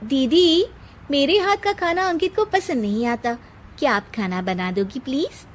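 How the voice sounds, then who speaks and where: A woman's voice: sits high, expressive, moderate pace, a little hiss or hum, voice pushed up. A woman voicing a spoiled, scheming young wife in a storybook tale, whiny and wheedling. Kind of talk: storybook character voice.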